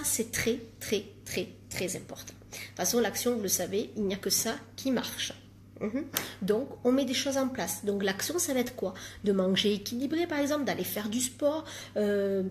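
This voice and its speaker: Lady coach talking live to viewers, kinda high voice, leans hard on her points and pokes fun at herself. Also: a little mellow, slight background noise. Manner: emphatic, repeats words for stress, jokes at herself. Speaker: life coach. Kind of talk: live-streamed coaching talk.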